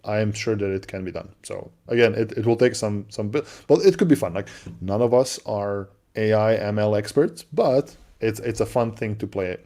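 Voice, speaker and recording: Low, mellow-voiced man chatting on a livestream. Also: moderate pace. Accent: non-native English. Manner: relaxed, chatty, answers viewer questions with frequent fillers and restarts. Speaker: livestream co-host. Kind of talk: casual livestream chat.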